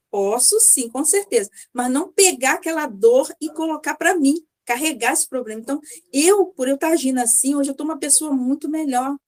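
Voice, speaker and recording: A Brazilian woman in her fifties giving a chatty personal testimonial as a mentoring client, often acting out little dialogues. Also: high voice. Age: 50s. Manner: chatty, acts out dialogues, frequent tag questions.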